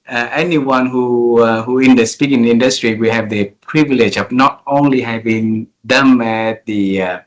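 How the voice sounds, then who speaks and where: A man in his forties from Vietnam hosts an interview over a call, speaking English with lots of fillers and restarts. His voice is medium-pitched, and the audio quality is poor.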